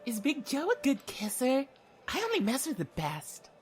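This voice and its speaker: An actor playing a cocky, mouthy young prisoner in a black comedy audio sketch, smug, theatrical and sarcastic. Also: male voice, very high voice, huge pitch swings, moderate pace, faint music behind, exaggerated voice. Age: young adult.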